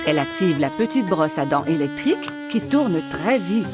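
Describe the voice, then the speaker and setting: A woman's voice: low-pitched, very animated, normal speed, over music. A woman narrating a scripted story for children.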